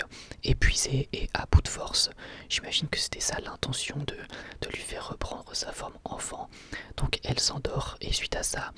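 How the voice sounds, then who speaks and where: A person whispering an informal, halting ASMR commentary on anime episodes in a breathy, unvoiced voice. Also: medium pitch, pushed and bright. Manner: hesitant, halting, informal explaining. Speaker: anime review vlogger.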